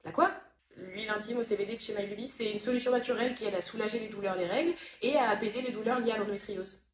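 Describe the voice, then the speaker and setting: A woman voicing a calm friend who gives a soft, smooth product pitch. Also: fast, over a noisy crowd, lightly acted. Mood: soothing. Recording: roomy echo.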